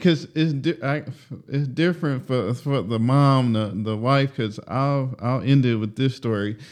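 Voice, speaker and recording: Over a quiet background, a man with an American accent talks in a normal speaking voice at medium pitch, fairly slowly and with ordinary pitch variation. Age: 30s. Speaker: podcast host and teacher. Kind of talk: casual chat.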